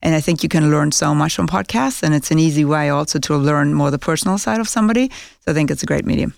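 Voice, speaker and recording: A middle-aged woman from Germany, answering as a guest on a marketing podcast in a thoughtful, measured way. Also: sits low, gravelly, darkish tone, no echo, clean studio sound. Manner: thoughtful, measured, with frequent um fillers. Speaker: guest, chief marketing officer. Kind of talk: podcast interview.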